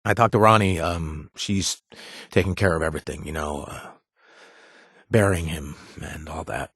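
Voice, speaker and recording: An actor voicing a gentle, awkward ex-raider companion in a video game, talking haltingly with many fillers and restarts. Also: male voice, a bass voice, husky, dry recording, studio quality, heavily acted. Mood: somber. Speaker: companion character.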